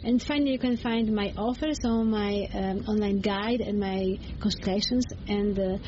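Female guest with Polish accent, mellow tone, explanatory and halting; slightly dull recording. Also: medium pitch, steady tone. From Poland. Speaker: interview guest, bilingual education coach. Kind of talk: explanatory interview talk. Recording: dull sound with faint background noise.

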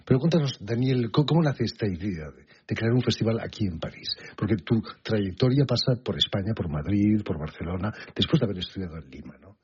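A man hosting a radio interview, speaking in a polished, measured presenter manner. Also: lowish voice, expressive, darkish tone, slightly rough. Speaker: radio host. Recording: muffled broadcast audio with faint music.

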